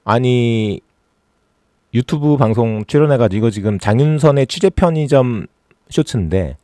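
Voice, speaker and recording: Sarcastic, animated Korean man ranting. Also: medium pitch, moderate pace, no room sound, clean studio sound. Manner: sarcastic, mocking, rising to exasperated rants. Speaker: political YouTube host. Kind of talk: casual political commentary livestream.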